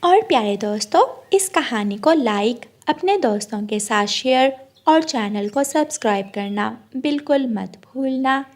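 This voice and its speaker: A woman's voice: on the high side, animated, unhurried, a little mellow. A woman narrating a children's cartoon story and ending with a moral and a request to subscribe.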